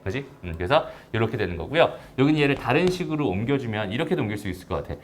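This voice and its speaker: A man teaching a recorded math lecture in a casual way, often checking understanding with quick tag questions. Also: mid-range voice, very animated, a little hiss or hum.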